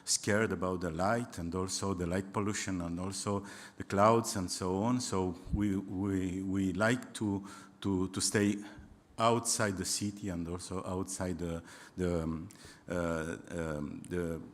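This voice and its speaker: Low-voiced Romanian-accented man lecturing haltingly. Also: fairly even intonation. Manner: halting, searching for English words with many restarts. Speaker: astronomer giving a lecture. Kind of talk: public science lecture.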